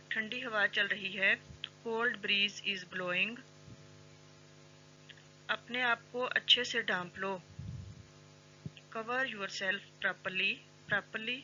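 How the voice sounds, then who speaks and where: English teacher, super bright sharp voice, kinda dull lo-fi sound. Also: mid-range voice, a little hiss or hum. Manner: repeats each phrase, says English lines very slowly and clearly. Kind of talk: phrase-by-phrase language drill. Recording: slightly dull sound with faint background music.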